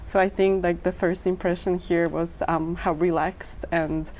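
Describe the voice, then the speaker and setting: Flat-voiced young woman from Poland. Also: fairly low pitch, a little slow, a little hiss or hum, rough recording. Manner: casual, many ums. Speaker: panelist, medical student. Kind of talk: panel discussion.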